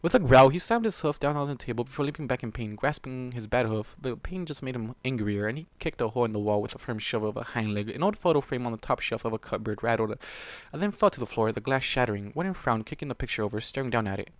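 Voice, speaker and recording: A man's voice: mid-range voice, lively intonation, fast talker, few pauses, no room sound. A man reading a story aloud dramatically as a channel host, emotionally invested and dropping casual, profane reactions. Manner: emotionally invested, exasperated asides. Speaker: fan fiction reader and channel host.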